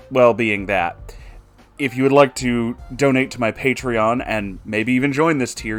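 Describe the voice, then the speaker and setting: A man hosting a story-reading channel, giving casual, sarcastic commentary on a book he finds stupid. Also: medium pitch. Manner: sarcastic, exasperated critic.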